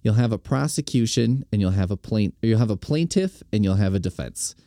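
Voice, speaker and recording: Male podcast host, sarcastic and profane, lively pitch, dark tone, dry sound. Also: a little fast, dry recording. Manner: profane, rambling, mocking. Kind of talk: sarcastic commentary.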